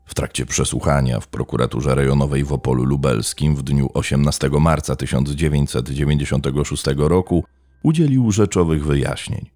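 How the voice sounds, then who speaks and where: A man telling a true-crime story as a scripted narration, in a measured, dramatic way. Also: extremely low pitch, warm tone.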